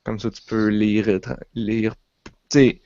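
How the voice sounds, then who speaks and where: A podcast co-host with a Quebec French accent chats casually, rambling with restarts and fillers. His voice is on the low side, warm, slow, with little pitch movement, and the audio sounds dull.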